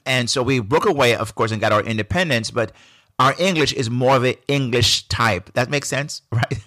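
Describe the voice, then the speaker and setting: A man with a Jamaican accent talks through his thoughts on his own podcast, unhurried and reflective, often restarting his sentences. His pitch sits in a middling range, and the recording is close and dry with no room sound. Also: bright, forceful tone, no echo. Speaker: podcast host. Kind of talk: solo podcast monologue.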